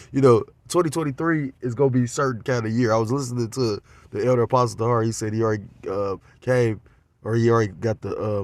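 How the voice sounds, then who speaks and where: A man giving an informal religious lesson on a phone, talking loosely with many fillers and getting louder and more animated as he goes. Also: medium pitch, no echo. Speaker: religious teacher.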